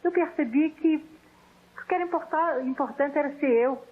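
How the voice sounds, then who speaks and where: A woman's voice: sits high, moderate pace, slight background noise. A woman from Portugal with a Portuguese accent, calling in to a TV talk show and talking frankly and reflectively about herself. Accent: Portuguese (European). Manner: reflective, frank, self-mocking. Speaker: phone-in guest. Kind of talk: candid call-in conversation. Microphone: telephone. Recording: tinny phone line.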